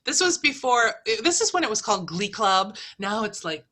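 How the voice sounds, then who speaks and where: Bright-toned middle-aged woman, animated storyteller in a casual chat. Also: medium pitch, moderate pace. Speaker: flosstube co-host.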